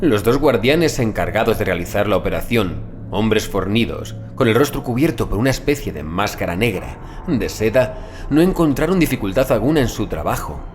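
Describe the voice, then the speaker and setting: A man narrating a scripted first-person horror story in a measured, deliberate literary manner. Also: lowish voice, sing-song, soft background music. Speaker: audiobook narrator.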